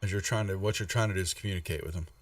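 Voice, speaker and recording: A man narrating a casual tabletop game as game master, halting and often restarting his phrases. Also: sits low, noisy background. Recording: distant mic with music behind. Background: background music.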